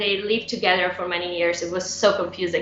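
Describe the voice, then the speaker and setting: With audible room echo around her, a woman speaks in an Italian accent. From northeast Italy, near Venice. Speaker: classical guitarist and teacher. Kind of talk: interview.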